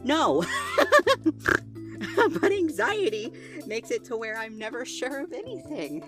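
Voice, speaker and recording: A woman playing an anxious, soft-hearted young driver in an audio drama, with a hesitant, stammering delivery. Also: on the high side, very animated, unhurried, over music. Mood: nervous.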